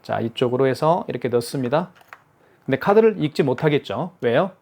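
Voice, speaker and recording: A man demonstrating a gadget on camera, talking viewers through every step. He explains patiently and often repeats a phrase to make sure it lands. His voice sits at an ordinary middle pitch. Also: animated, fairly quick, creaky, a little mellow. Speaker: product demonstrator. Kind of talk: hands-on product tutorial.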